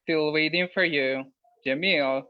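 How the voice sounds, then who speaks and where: A man's voice: a little high, steady tone, measured pace, smooth. A man chatting casually and helping with introductions in an online lesson. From Algeria. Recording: dull, lo-fi online call audio.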